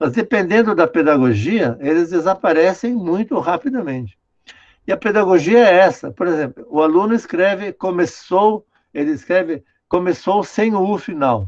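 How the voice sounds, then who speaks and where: Lively intonation at a moderate pace from a man with a high voice. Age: 70s. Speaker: linguistics professor. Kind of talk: online lecture talk. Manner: conversational, repeats fillers like né.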